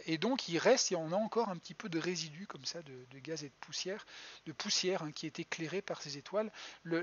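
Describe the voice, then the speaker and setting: A planetarium educator, a man, explains stars in a chatty, halting way, full of fillers and restarts. His voice sits fairly high and sounds husky, and the muffled lo-fi audio suggests a home computer mic on a live stream. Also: a bit bright. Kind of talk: live-streamed astronomy lesson.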